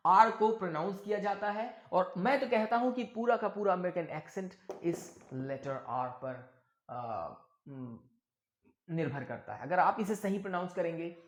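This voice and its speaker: A man teaching accent rules to viewers, slowly drawing out and repeating example words. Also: high-pitched, roomy sound. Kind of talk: explaining pronunciation rules to viewers.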